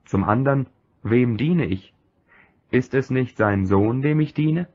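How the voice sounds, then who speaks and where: A man's voice: medium pitch, lively intonation, takes it slowly. A man reading the lines of a loyal, diplomatic friend of the king in an earnest, persuasive way. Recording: dull lo-fi recording.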